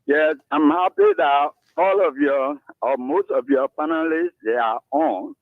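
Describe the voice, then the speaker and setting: A man in his seventies with a Liberian English accent, calling in to a radio talk show and speaking slowly about himself. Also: on the high side, dry recording. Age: 70s. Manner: slow, lively rises and falls, gravelly. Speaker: caller. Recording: tinny dry phone line.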